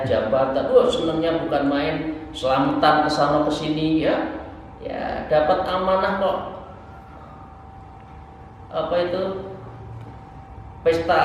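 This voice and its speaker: Javanese-accented older male preacher in echoey hall. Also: a little high. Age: 60s. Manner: conversational, exhortative, with rhetorical asides and repeated tags. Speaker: Islamic preacher and Sufi teacher. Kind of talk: sermon, informal religious lesson explaining a book. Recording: very echoey hall, distant mic, faint noise.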